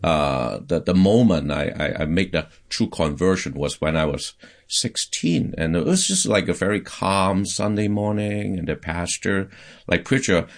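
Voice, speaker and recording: A man from Hong Kong with a very low, deep voice, talking in a relaxed interview. He speaks haltingly, full of "uh" and restarts, as he recalls his family and childhood. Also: creaky. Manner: hesitant, many fillers and restarts. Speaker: pastor, podcast guest. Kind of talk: casual conversational interview.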